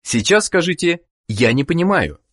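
Male instructor narrator, husky tone, animated pitch, measured scripted prompts. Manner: measured, prompting the listener to repeat. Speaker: language course narrator.

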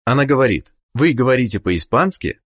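A man narrating a scripted language course, giving clear prompts to the learner. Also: medium pitch, big pitch swings, brisk.

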